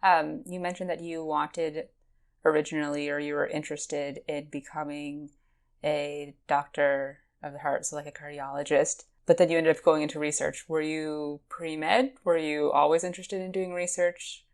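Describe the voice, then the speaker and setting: A woman's voice: deep voice, little pitch movement, moderate pace. A woman co-hosting a podcast, asking a guest questions in a thoughtful, hedging way. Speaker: podcast co-host.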